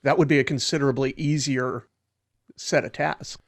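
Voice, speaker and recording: A man's voice: medium pitch, steady tone, normal speed. A man on a podcast panel, musing aloud in casual chat and repeating words as he thinks.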